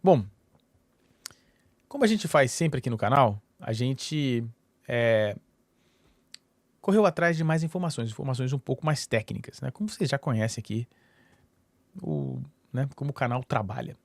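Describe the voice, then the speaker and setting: Man from Brazil, middle-aged, casual channel host, rambling with fillers, mid-pitched voice, dry close sound. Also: expressive, normal speed, pauses often, dry recording. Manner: rambling, many fillers and restarts. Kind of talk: casual solo talk to camera.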